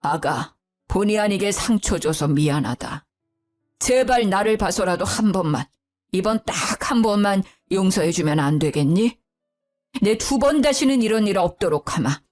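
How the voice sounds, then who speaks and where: A woman voicing an elderly father-in-law who speaks low and gently when soothing and bellows when scolding. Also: expressive, moderate pace, soft background music, natural voice. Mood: gentle pleading. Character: stern elderly father-in-law, calm then furious.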